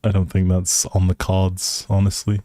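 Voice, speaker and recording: A man with a lowish, soft-edged mellow voice streams a game and chats casually to his viewers. He rambles amiably, thinking out loud as he plays. The sound is close and dry, with almost no room on it. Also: monotone, normal speed, no echo. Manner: friendly rambling, thinking aloud. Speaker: live streamer playing a life simulation game. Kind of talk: casual gameplay chat with viewers.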